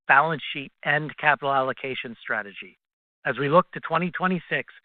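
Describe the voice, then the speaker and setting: A man, a company finance executive, formally reading prepared earnings call remarks in a measured way over a conference line. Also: on the high side, no room sound. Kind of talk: scripted earnings call presentation. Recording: tinny, dry phone conference line.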